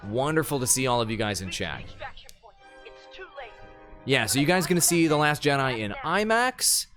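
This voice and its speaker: A live game streamer talks through his gameplay into a streaming mic, joking in slang and chatting with his viewers. His mid-range voice is animated and a bit bright, at a moderate pace, with faint music in the background.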